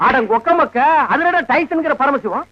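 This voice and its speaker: An actor playing a sharp-tongued, insulting village man in a comedy film, firing off rapid put-downs. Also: extremely high pitch, animated. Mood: scolding. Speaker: grumpy householder in a comedy film. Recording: dull lo-fi film soundtrack.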